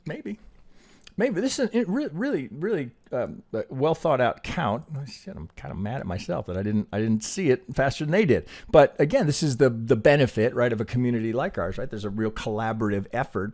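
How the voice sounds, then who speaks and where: Middle-aged guy doing a casual video lesson, regular pitch, talks through it as he goes, swears a bit. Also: sing-song, a little fast, a little mellow. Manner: conversational, often tags sentences with "right?". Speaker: trading educator and video host. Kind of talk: informal live chart analysis, thinking aloud.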